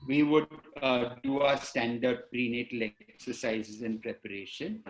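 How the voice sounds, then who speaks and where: A man talks into a computer mic on a video call whose connection keeps dropping out. His voice breaks up and cuts in and out as he repeats himself and asks whether he can be heard. He sits at a middle pitch for a man. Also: measured pace, echoey room, poor audio. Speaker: obstetrician giving a webinar talk. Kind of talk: online webinar lecture.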